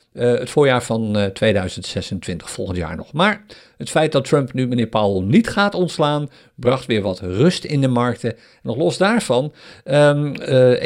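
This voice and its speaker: A man hosting a solo crypto podcast in a chatty style, often pausing with fillers. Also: mid-range voice, darkish tone. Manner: chatty, hesitant with frequent fillers. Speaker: podcast host.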